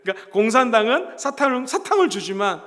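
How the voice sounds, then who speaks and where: A middle-aged male pastor giving a lively sermon to a youth service, acting out little dialogues and having the congregation repeat words after him. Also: extremely high pitch, fairly quick. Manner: animated, acts out dialogue in voices, shouts key lines. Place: church sanctuary. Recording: reverberant church hall.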